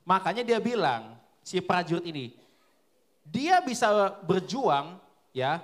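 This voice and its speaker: A young man preaching a sermon, lively and colloquial, asking his listeners question after question. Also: high-pitched, takes it slowly.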